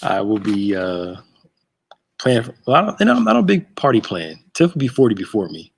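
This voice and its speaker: A man's voice: fairly low pitch, huge pitch swings, normal speed, creaky, husky. A man in his thirties, a pastor hosting a casual chat show from a church sanctuary, laid-back and joking. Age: 30s.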